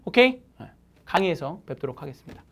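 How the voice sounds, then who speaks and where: A middle-aged woman math tutor giving students a nagging, emphatic pep talk that swings from loud urging to whispers. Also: low-pitched, very animated, fast talker, vocal fry.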